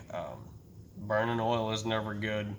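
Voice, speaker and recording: With audible room echo, the speaker talks at a very slow pace. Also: man. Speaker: diesel truck YouTuber. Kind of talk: casual tutorial. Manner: halting.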